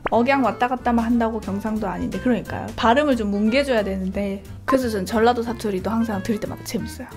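A woman's voice: a little high, fast, faint music behind. A woman in her thirties telling family stories in a casual chat, laughing often and acting out her relatives' talk. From not from Gyeongsang. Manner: lively, laughs often, acts out relatives in mock dialect.

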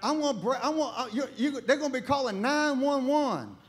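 A middle-aged male pastor, preaching a sermon full of humorous, animated stories and bursts of shouting. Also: very high voice, brisk. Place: church.

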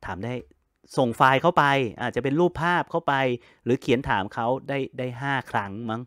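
A man's voice: medium pitch, expressive, a bit bright, no room sound, clean studio sound. Chatty man explaining step by step. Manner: chatty, step-by-step, spells letters with a phonetic alphabet; frequent drawn-out fillers. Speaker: computer tutor. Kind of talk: casual screen-reader tutorial.

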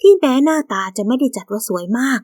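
A woman narrating a bedtime story in a smooth, steady storytelling manner. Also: a little high, fast, no echo.

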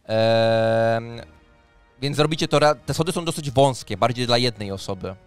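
A man runs a tabletop role-playing game as game master. His voice sits at a middle pitch and he sets out each scene deliberately, with hesitant pauses. Music plays behind him. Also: smooth. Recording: music under the voice. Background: background music.

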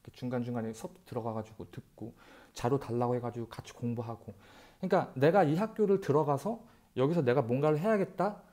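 A man in his thirties, a channel host, gives casual advice to camera in an animated way, using rhetorical questions and speaking into an earphone mic in a bright room. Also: medium pitch, a little fast. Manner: animated, gestures a lot, talks directly to viewers with rhetorical questions. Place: bright room by a window, indoors. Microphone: wired earphone mic.

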